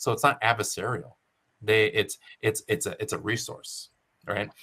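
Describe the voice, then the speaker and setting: A man speaks with a Californian accent. His pace is fairly quick. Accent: Californian American English. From California Central Valley (San Joaquin County). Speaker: educator running for school superintendent. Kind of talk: interview. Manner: fast.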